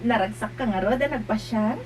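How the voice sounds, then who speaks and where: A woman's voice: a little high, a little fast, lightly acted. A woman playing a stern young mother in an audio drama, speaking firmly and insistently. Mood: gentle. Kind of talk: amateur drama acting. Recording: distant mic with loud hum.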